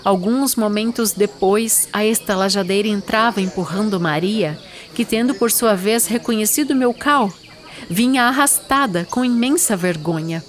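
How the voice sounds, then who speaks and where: Measured woman narrating a literary audio drama. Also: medium pitch.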